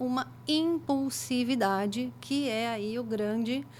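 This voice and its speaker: The speaker is a woman. Her fairly high pitch shifts with ordinary variation. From São Paulo state, Brazil (São Bernardo). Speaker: mother speaking about ADHD. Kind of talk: podcast interview.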